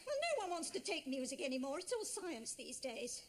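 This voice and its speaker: A woman's voice: sits high, sing-song, brisk, very noisy. An actress playing a twittery, flustered female music teacher who lives in her own fantasies. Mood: dithering.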